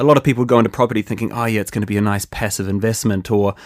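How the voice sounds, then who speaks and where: Very fast and in a New Zealand accent, a man speaks at medium pitch with fairly even intonation. The recording is very clean with a silent background. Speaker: podcast host interviewing, investor. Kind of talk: interview.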